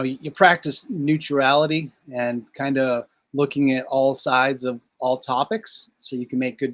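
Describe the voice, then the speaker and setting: A man in his fifties from Maine, a police chief, answering interview questions in a plain-spoken, measured way. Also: mid-range voice, a bit bright, dry recording. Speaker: police chief and congressional candidate. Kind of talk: interview guest.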